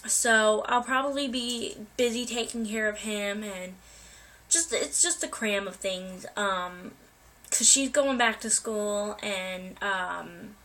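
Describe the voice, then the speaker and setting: Young woman vlogger, bright voice, recovering from a cold, chatty and meandering. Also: mid-range voice, slow pace, poor audio. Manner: rambling, many ums and restarts. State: getting over a cold, coughing. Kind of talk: casual life update to viewers.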